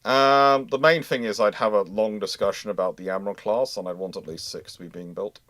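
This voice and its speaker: A man hosting a casual live question-and-answer stream, explaining as an expert in a halting way, often repeating and rephrasing mid-thought. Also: lowish voice, fairly even intonation, fairly bright tone, dry recording.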